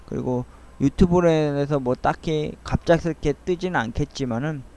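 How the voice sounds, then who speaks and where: A middle-aged man rambling through a soliloquy-style audio essay, speaking in a halting, earnest and wistful way. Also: a little high, darkish tone. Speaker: host of a monologue essay channel.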